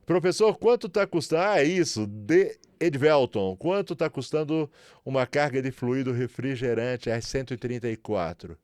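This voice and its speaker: Speaking Brazilian Portuguese with a São Paulo accent, this man teaches refrigeration to viewers in a chatty, promotional tutorial, often asking "certo?" or "beleza?". His medium-pitched voice is expressive, clear, resonant and slightly mellow at a normal speed, captured as clean studio sound without any room echo.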